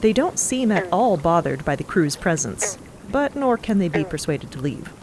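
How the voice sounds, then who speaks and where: Low-pitched female storyteller. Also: very animated, normal speed, crowd noise, low-quality recording. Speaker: narrator. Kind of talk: scripted fiction narration, descriptive storytelling. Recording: clear water noise under narration. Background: water ambience.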